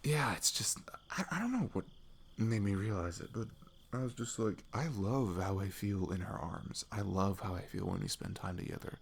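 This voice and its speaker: A man playing a sweet, nervous young best friend in an intimate ASMR roleplay, speaking haltingly with a husky, breathy voice that drops toward whispers. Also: on the low side, a little hiss or hum. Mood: nervous, tender. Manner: hesitant, halting, slipping into whispers.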